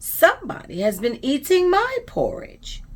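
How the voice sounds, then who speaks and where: A raspy, put-on character voice. It moves at a moderate pace. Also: woman, extremely high pitch for a woman. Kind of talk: bedtime story. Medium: read story.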